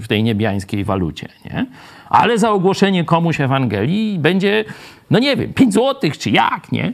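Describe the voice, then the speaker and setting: Speaking at a moderate pace, a high-pitched man sends his voice through very wide pitch swings. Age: 70s. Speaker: Bible study leader. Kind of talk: Bible study teaching. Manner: conversational.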